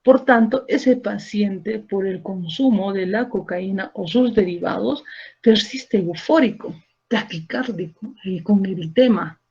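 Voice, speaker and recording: Female lecturer, gravelly edge, keeps checking in with the class, muffled lo-fi sound. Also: medium pitch, unhurried, darkish tone. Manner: explains step by step, checks in with rhetorical tag questions and quizzes students. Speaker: medical lecturer. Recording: dull lo-fi recording.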